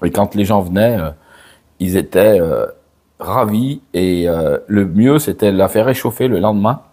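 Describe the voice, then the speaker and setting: Older man, hoarse with a cold. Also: lowish voice, mellow. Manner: slow, hesitant, with many fillers and restarts. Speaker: father and channel host. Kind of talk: casual direct-to-camera chat.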